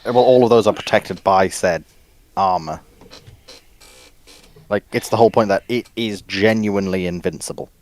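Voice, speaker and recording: A man's voice: lowish voice, normal speed, long pauses. A man on a panel talking casually, adding details and corrections to the discussion.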